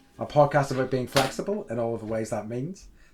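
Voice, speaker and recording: Noticeable background noise runs beneath fairly quick speech. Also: man. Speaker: podcast host. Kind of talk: casual podcast conversation.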